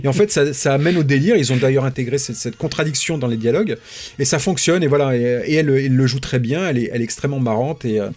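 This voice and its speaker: A man's voice: medium pitch, a little mellow. A man co-hosting a film podcast, telling behind-the-scenes anecdotes. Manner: quick, anecdotal, restarting phrases. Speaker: podcast co-host. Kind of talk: film review discussion.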